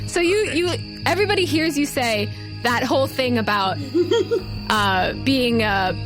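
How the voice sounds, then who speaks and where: A woman's voice: on the high side, animated, unhurried, music in the background, low-quality recording. A woman running a tabletop game as game master, narrating the action in a casual, conversational way.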